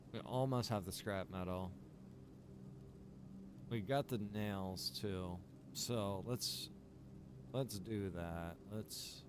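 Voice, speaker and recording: Casual male game streamer, slightly low voice. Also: background noise. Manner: informal, thinking aloud. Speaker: game livestreamer and server developer. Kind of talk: casual livestream chat while playing a survival roleplay game.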